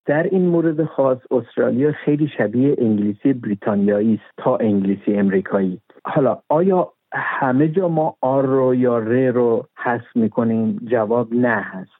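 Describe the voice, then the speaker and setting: A man's voice: mid-range voice, no room sound. Man explaining patiently over a phone line. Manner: patient, methodical, spells out words letter by letter. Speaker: language expert guest. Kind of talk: explanatory interview talk.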